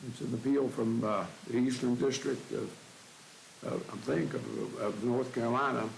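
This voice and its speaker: An older man speaking as a presiding judge in a courtroom, halting often with hesitations and repeated words. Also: medium pitch, steady tone, vocal fry, rough recording. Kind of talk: courtroom opening remarks. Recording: faint hiss.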